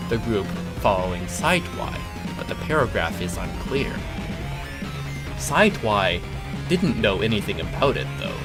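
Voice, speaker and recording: A man reading a comic story theatrically, in a wry, informal manner with dramatic delivery and offhand asides. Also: mid-range voice. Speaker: reader of comic fan fiction.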